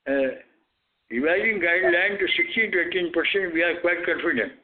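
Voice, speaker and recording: Over a narrow phone connection, a male company executive speaks with an Indian accent. His voice sits a little high, and he answers analysts in a firm, matter-of-fact way. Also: a little fast. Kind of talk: answering analysts on an earnings call. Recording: narrow tinny phone line.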